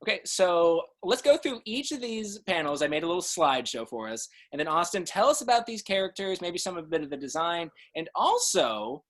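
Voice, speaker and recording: A man's voice: sits high, big pitch swings, brisk, few pauses, fairly bright tone. A man in his thirties hosting a casual interview, moving things along conversationally. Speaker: interview host. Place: indoor room, video call.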